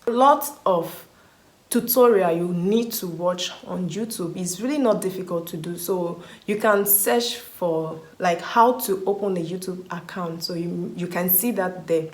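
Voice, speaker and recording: A young Nigerian woman with a Nigerian accent and a medium-pitched voice answers viewer questions in a chatty Q&A vlog, often repeating words for emphasis. The recording is reverberant.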